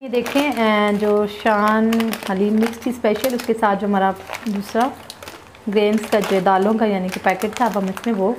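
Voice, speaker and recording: A woman cooking in her home kitchen, calmly explaining each step of a recipe to her viewers as she stirs at the stove. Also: medium pitch, normal speed, background noise. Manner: calm, instructive, addresses viewers directly. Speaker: cooking vlogger.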